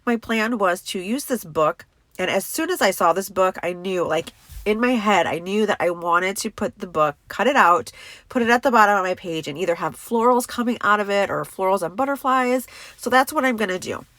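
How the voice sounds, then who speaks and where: A woman's voice: mid-range voice, animated, normal speed, a bit bright, no room sound. A woman with a stuffy, congested voice, chatting enthusiastically through a crafting tutorial voice-over. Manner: chatty and enthusiastic, many fillers.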